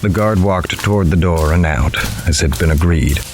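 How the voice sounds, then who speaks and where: A man plays a grave, observant newspaper reporter telling a horror audio drama in first-person narration, his very deep voice a little mellow and lightly acted. The delivery is measured, somber and literary, with music underneath.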